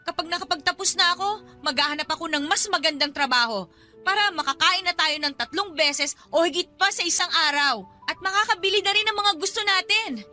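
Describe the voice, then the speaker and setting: A young daughter in a radio drama, with an extremely high, very bright and tense voice. She is earnest, defiant and emotional, with faint music behind her. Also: a little fast, exaggerated voice. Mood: earnest, pleading. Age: young adult. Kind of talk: Tagalog radio drama acting. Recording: background music under dialogue.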